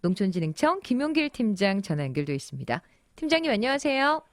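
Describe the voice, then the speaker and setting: A woman hosting a radio show, introducing and questioning a phone guest in a brisk, engaged manner with frequent short acknowledgments. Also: medium pitch, sing-song, dry recording. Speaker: radio host. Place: radio studio. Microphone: studio mic.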